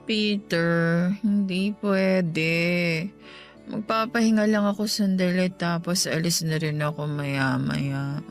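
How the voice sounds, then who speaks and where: A woman's voice: lowish voice, steady tone, slow. A woman playing a conflicted young woman in a Tagalog radio drama love story. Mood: hesitant. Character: conflicted young woman caught cheating on her fiancé. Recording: soft music bed underneath.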